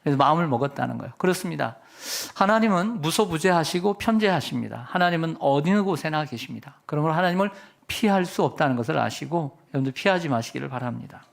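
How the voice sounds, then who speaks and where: A man's voice: fairly high pitch, creaky. A middle-aged male senior pastor preaching a Sunday sermon, often asking the congregation questions. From South Korea. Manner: preacherly, asks the congregation questions and acts out voices.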